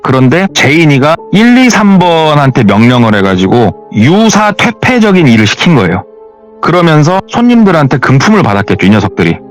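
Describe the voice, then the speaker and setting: A man narrates a listener's true horror story in a conversational, dramatic way, his pitch rising and falling with lively swings. Soft music plays faintly behind his voice. He sits at a middle pitch for a man.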